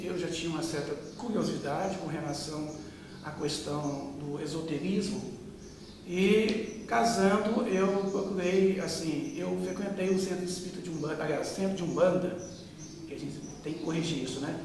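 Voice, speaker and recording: In a fairly high voice, an interviewee from Brazil in his fifties looks back on the past for an oral history, unhurried and pausing often with plenty of fillers. The mic is far off, the room is very echoey with a long reverb tail, and a faint hiss runs underneath.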